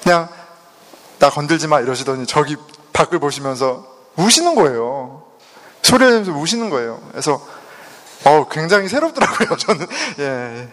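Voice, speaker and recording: A middle-aged man from South Korea tells a personal story to an audience, laughing as he goes. His voice is on the higher side and moves a lot in pitch. It rings with a long reverb, as if recorded in a large hall. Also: moderate pace. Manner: animated storytelling, laughing often. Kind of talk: personal testimony.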